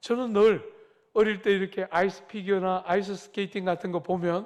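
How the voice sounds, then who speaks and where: With a Gyeongsang accent, a man speaks in a high-pitched, animated tone at a moderate pace. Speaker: pastor. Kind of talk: sermon.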